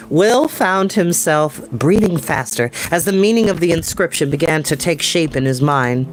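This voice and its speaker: A man's voice: on the high side, lively intonation, a little slow, slight background noise, low-quality recording. A young adult man reading a book aloud as a storyteller, with casual, enthusiastic asides in slangy language. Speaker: storytime reader and host. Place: small home room with desk and bookshelves.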